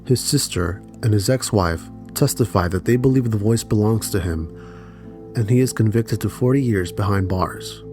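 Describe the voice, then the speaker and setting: Man, lower-pitched voice, documentary narration, serious, measured storytelling, music bed. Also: darkish tone. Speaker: true crime narrator.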